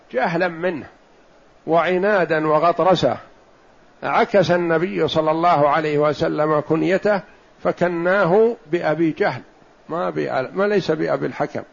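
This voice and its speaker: A man giving a religious lesson, explaining a text in a measured way and slowing down to stress his points, in a dull lo-fi recording. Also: on the high side, creaky. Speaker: Islamic scholar teaching hadith commentary.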